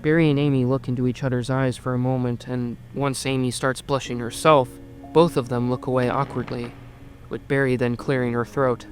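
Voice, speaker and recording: A woman's voice: a bass voice, level tone, moderate pace, soft background music. A woman reading scripted narration for an audio drama as its storyteller.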